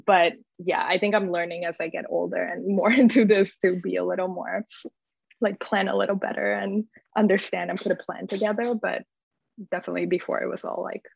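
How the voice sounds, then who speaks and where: Woman, gravelly fry, informal interview talk, rambling phrasing, slightly dull recording. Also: fairly low pitch, level tone, fairly quick. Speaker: guest, community founder. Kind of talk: conversational interview answers. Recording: echoey room, slightly dull audio.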